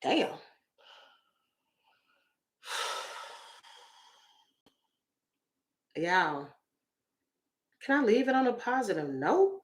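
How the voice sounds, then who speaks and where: A woman with a slightly raspy voice, chatting through a tarot reading for her viewers with exclamations and asides. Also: mid-range voice, big pitch swings, extremely slow, pauses often. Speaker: tarot reader.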